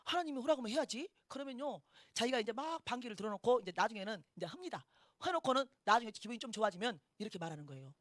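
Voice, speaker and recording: A middle-aged woman pastor preaches in a high, quick voice. She tells her story in a lively way and acts out each quoted voice. The sound is close and dry. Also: no room sound. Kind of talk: sermon with personal testimony.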